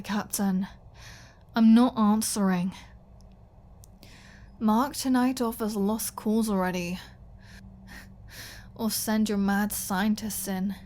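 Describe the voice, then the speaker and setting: A woman's voice: fairly high pitch, a little mellow, a little hiss or hum. A woman playing a flirty, defiant captive vampire in an ASMR audio roleplay, teasing and mocking with a sarcastic drawl.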